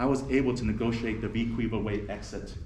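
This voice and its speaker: Audible room echo surrounds a man whose voice sits at a fairly low pitch. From Arizona, Mesa area. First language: Spanish. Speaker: congressional candidate. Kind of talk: debate closing statement. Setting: stage with audience.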